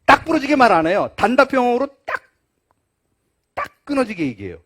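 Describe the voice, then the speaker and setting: A man's voice: very high voice, huge pitch swings, brisk, a bit bright. A male pastor preaching a sermon, acting out the dialogue of the story as he tells it.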